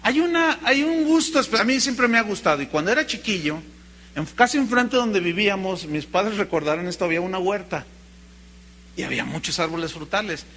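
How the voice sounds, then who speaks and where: Bright, high-voiced Mexican preacher. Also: male voice, a little fast, a little hiss or hum. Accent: Mexican Spanish. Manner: animated storytelling, addresses listeners as brother. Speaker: pastor. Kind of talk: sermon.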